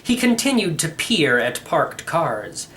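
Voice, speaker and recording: A man reading a children's novel aloud as expressive first-person narration. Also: fairly high pitch, takes it slowly, slight background noise. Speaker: audiobook reader.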